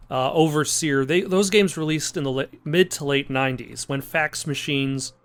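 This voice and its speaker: A man's voice: on the high side, a bit bright, smooth. A man hosting a let's play, giving casual, rambling gameplay commentary with dry jokes over music. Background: game music.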